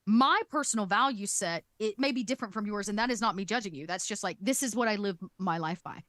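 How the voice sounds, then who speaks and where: A woman's voice: medium pitch, fast talker, a bit bright, no echo, clean studio sound. A woman speaking casually as an interview guest, informal and often voicing imagined remarks as she explains her work. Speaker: guest, game master and content production manager.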